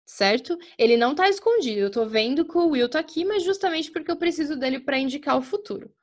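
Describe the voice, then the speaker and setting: A woman, an English teacher who explains grammar in a chatty way, checks in often with her listeners and slows down to spell out example sentences. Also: high voice, expressive.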